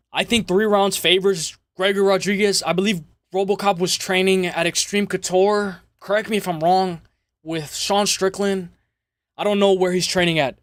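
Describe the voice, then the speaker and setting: A man hosting a casual live fight-preview stream, with a slightly raspy voice, slangy and chummy, repeating phrases and addressing viewers directly. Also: high-pitched, no echo, clean studio sound. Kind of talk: casual livestream chat and fight commentary.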